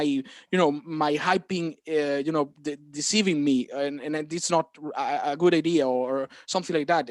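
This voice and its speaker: A Galician man chats with eager, halting energy, often restarting his sentences. His voice sits fairly high and sounds dry and close, with no room around it. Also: dry recording. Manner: halting, excited, many restarts. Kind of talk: casual podcast chat.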